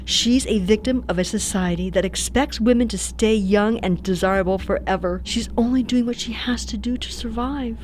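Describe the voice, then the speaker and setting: In a radio play, a woman plays an old grandmotherly hostess who tells spooky stories, doting yet sinister and sweetly menacing, with a theatrical, drawn-out, cooing delivery. Her natural voice is medium-pitched and a little mellow, with slight background noise.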